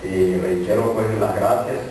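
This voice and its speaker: Low-voiced Indigenous speaker, echoey hall. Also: male voice, a little mellow, soft background music. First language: an Indigenous language of Sonora. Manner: formal, grateful, halting at times. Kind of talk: speech at a public forum. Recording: echoey room, voice from far off, faint noise.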